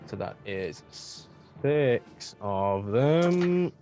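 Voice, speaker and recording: A man acting as dungeon master, calmly narrating a tabletop game and talking through rolls and moves. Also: medium pitch, drawn-out words, dull audio, faint music behind.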